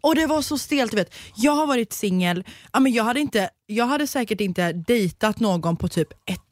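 A woman's voice: fairly high pitch, lively intonation, dry recording. Woman, young adult, podcast co-host, teasing, blunt, casual chat, dry close mic.

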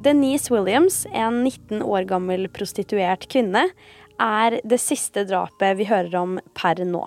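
A woman's voice: mid-range voice, darkish tone. A woman host telling a true-crime story in a conversational, semi-scripted narration. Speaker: podcast host.

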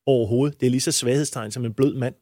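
A man coaching other men answers interview questions in a blunt, emphatic way, swearing crudely and often. His voice is medium-pitched and warm with fairly even intonation, and the studio recording is clean with no echo.

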